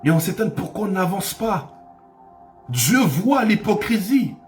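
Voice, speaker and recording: Impassioned preaching man, soft music behind. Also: sits high, big pitch swings, measured pace. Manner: impassioned preaching, rising to cries; repeats phrases for emphasis. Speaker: pastor. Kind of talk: sermon.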